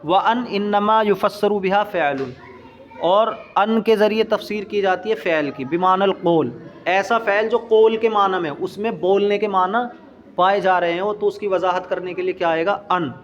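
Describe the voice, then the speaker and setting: Man, grammar teacher, high voice, slow reading, quick explaining, asks questions, muffled recording. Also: fairly even intonation. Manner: reads Arabic text slowly then explains it quickly. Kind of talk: classroom lesson, explaining Arabic grammar in Urdu.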